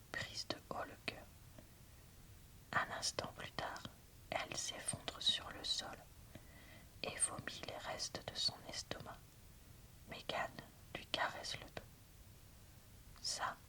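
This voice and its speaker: Whispering woman, slow ASMR book reading. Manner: soft, unhurried, deliberate whispering. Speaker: booktuber reading a novel aloud and reviewing it.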